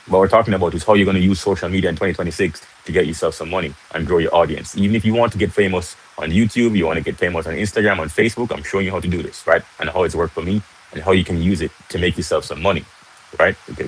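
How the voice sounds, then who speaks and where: The poor audio, with a little hiss or hum, captures a young Jamaican man speaking very fast in a deep voice and a Jamaican accent. He hosts a casual livestream from home in Jamaica, teaching and chatting, greeting viewers mid-talk and often tagging on "right?".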